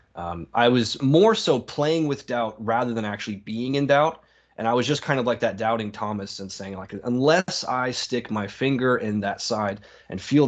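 A man with a normal speaking voice, medium pitch, ordinary pitch variation, a moderate pace and big swings in loudness, over a quiet background. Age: 20s. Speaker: writer and philosophy lecturer. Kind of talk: casual interview conversation.

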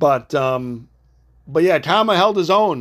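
A man speaks at a moderate pace. His tone is animated, with lively intonation. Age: 30s. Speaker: wrestling podcast host. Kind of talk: casual solo podcast commentary. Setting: home studio. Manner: animated, frequent laughter and filler words.

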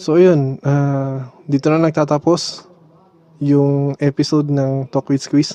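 Over noticeable background noise, a man with a fairly high pitch speaks at a very slow pace in a monotone, flat intonation. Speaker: podcast host. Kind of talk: casual monologue. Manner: halting.

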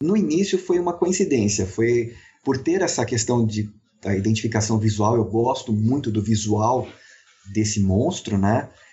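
At medium pitch and a fairly slow pace, a man with a somewhat breathy voice keeps his loudness very even while his intonation stays lively. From Brazil, São Paulo. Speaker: author, civil servant. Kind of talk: interview.

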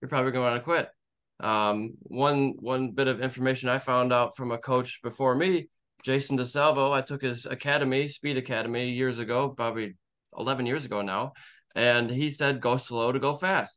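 Fairly quick and with fairly even intonation, an ordinary speaking voice comes through with an American accent. The background is quiet. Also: man, medium pitch for a man. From Michigan. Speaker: podcast host and racing coach. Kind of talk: casual interview.

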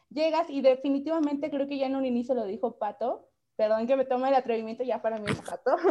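Very fast speech from a woman, high in pitch, with ordinary pitch variation. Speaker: podcast guest, comic fan. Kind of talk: casual chat. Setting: video call.

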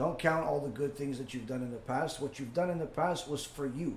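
A man with an American accent speaks in a fairly high, somewhat breathy voice. Audible room echo is present. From New York. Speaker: rabbi. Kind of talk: Torah class answering questions. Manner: halting with fillers.

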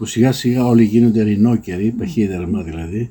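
On a very clean recording with a silent background, a man talks at a medium pitch in a dark, mellow tone with ordinary pitch variation. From Greece, Piraeus. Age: 70s. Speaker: poet and publisher. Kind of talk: interview.

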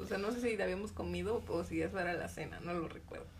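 A woman is speaking. The recording has noticeable background noise and audible room echo. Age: 30s. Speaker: podcast co-host. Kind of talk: casual chat.

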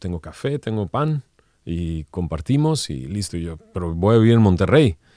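A dark, mellow tone with lively intonation at a moderate pace, in a very clean recording with a silent background. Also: man. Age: 40s. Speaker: pastor and Bible teacher. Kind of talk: interview.

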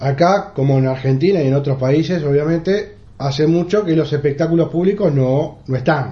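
A man speaks at a fairly high pitch and a moderate pace, with ordinary pitch variation and hardly any pauses. His somewhat breathy voice keeps a very even loudness. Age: 40s. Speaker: podcast interviewer. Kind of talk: casual interview. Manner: halting, many repetitions and fillers.

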